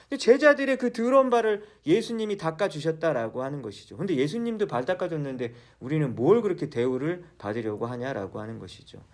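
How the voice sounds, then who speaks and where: Lively high-voiced male pastor. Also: fast talker, hardly any pauses. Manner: asks the congregation questions, then answers them. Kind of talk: sermon. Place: church.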